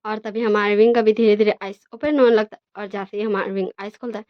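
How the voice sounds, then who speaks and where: A woman's voice: mid-range voice, little pitch movement, fast, dry recording, highs cut off. A woman retelling fan fiction in a casual, chatty way, talking straight to her listeners. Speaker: storyteller.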